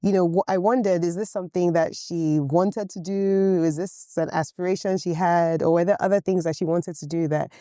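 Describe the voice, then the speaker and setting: A woman's voice: fairly low pitch, fairly even intonation, normal speed, hardly any pauses, warm tone, clear, resonant tone, no room sound, studio quality. A woman whose first language is Yoruba, an author talking articulately in an interview and often saying "you know". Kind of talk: conversational interview.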